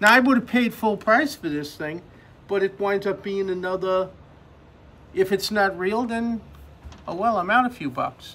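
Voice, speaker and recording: A moderate pace from a man with a high-pitched voice. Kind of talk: interview answer. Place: shop. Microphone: phone near.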